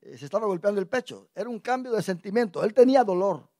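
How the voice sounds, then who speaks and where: A male pastor teaching a Bible class in church, animated and often asking the congregation questions. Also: high-pitched, quick pace, no room sound, clean studio sound.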